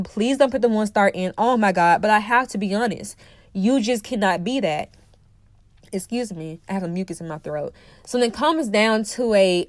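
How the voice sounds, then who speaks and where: A woman's voice: medium pitch, no room sound, studio quality. A woman hosting her own podcast, lecturing emphatically and repeating her key phrases, sounding congested from a cold. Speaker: podcast host and dating coach. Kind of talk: opinionated solo podcast monologue.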